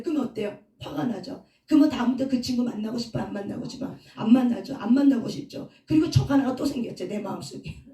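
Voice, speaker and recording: A woman's voice: a little high, mellow, recorded from a distance. A woman pastor giving a sermon, asking the audience questions and answering them herself. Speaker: pastor and counselor. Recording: echoey hall, voice from off mic.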